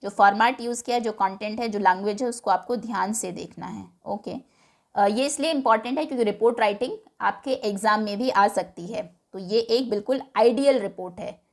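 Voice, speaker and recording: A woman teacher who reads English lines slowly, explains them in Hindi and repeats words to drill pronunciation. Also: medium pitch. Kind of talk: bilingual lesson explaining a textbook.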